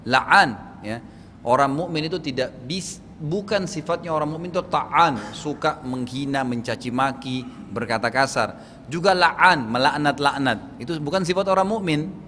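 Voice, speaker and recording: A man's voice: fairly high pitch, a bit bright, in a large hall, slight background noise. A man from Makassar in South Sulawesi, answering a question in a religious lecture with a Makassar Indonesian accent, often asking "right?" to check he is followed. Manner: explanatory, repeats "gitu kan?" to check understanding. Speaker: preacher.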